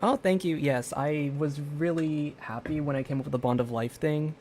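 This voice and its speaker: A man's voice: fairly high pitch, steady tone, moderate pace, darkish tone, a little hiss or hum. Rambling, casual man streaming a game. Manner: rambling, hesitant, frequent "like". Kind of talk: casual livestream commentary.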